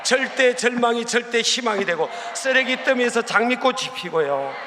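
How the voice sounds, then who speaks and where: A male pastor preaching a sermon, emphatic and rising to shouted rebukes. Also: extremely high pitch, animated, normal speed, background noise. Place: church sanctuary. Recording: large hall with long reverb.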